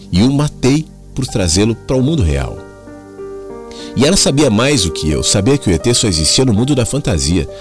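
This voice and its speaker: A middle-aged man gives a slow, poetic spoken reflection, telling a family story and quoting poets. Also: sits low. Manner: slow, musing, poetic delivery with quotations. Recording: soft music behind the voice.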